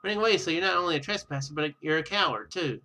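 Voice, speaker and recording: A man's voice: fairly high pitch, fast talker, sharp tone. A man voicing a stern, officious female student in a game, scolding and accusatory. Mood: indignant.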